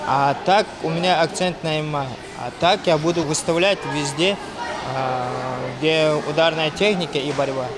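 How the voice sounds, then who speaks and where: A man, a martial arts coach in a training gym, calling out counts and short commands to his fighters and answering interview questions with hesitant pauses. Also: fairly high pitch, crowd noise.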